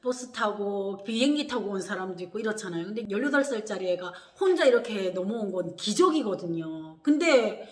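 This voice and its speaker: A woman from Korea, telling her personal story in a lively way, acting out what others said. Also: medium pitch, a little fast, hardly any pauses. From North Korea. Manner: animated, acts out quoted voices with gasps and laughs. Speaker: vlogger. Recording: echoey room.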